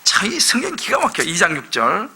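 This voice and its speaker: A male senior pastor preaching a lively sermon, acting out quoted voices and leading his congregation in reading aloud. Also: high-pitched, fairly quick. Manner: animated, acts out quoted voices of people and children.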